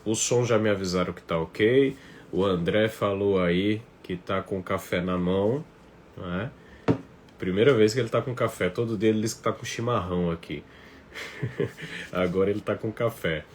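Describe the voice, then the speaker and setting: A man with a northeastern Brazilian accent and a fairly low voice chats to his livestream audience like an informal teacher. He often tacks on little tag questions. The phone recording carries some background noise. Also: moderate pace. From Paraíba, northeastern Brazil. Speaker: teacher hosting a live online class. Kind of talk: informal livestream talk to viewers. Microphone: phone on a stand.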